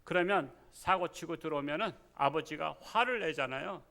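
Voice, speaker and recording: Bright, emphatic pastor preaching. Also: male voice, on the high side, moderate pace, gravelly. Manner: emphatic, reads scripture aloud. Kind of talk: sermon. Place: church service.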